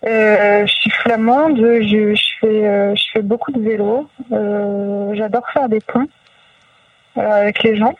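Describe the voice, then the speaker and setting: A woman from northern France, a guest in a casual interview, talking hesitantly with many pauses and fillers. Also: mid-range voice, steady tone, recorded from a distance, dull audio.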